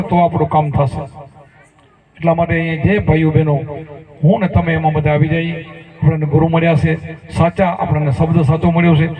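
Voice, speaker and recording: A man preaches a devotional sermon, spinning folksy stories and tossing rhetorical questions to his listeners. His voice sits high for a man. The sound is thin and phone-like, picked up from some distance off the mic. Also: big-room sound. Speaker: spiritual teacher.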